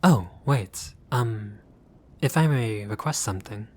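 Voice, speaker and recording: A man's voice: on the low side, lively intonation, takes it slowly, a little mellow. A man playing a haughty but friendly vampire lord in a roleplay audio, speaking in a formal, fussy, politely pompous way. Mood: curious, polite. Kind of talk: scripted roleplay audio addressed to the listener.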